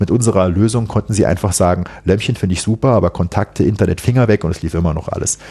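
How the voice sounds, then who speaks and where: Over noticeable background noise, a man with a fairly low pitch talks at a very fast pace with hardly any pauses. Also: ordinary pitch variation. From Saarland. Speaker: research institute director. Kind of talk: interview.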